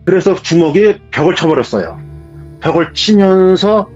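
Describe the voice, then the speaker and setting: A man with a husky voice, telling a true ghost story in a vivid, dramatic way as a guest in casual spoken storytelling. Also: sits high, lively intonation, normal speed, a little mellow. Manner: vivid, dramatic retelling of events. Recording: dull lo-fi sound with faint music.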